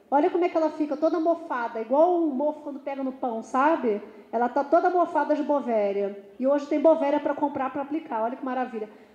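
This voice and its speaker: A woman speaks at a fairly quick pace with hardly any pauses. Her pitch is high, with ordinary variation. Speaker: agronomist giving a technical talk. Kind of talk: lecture. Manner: fast.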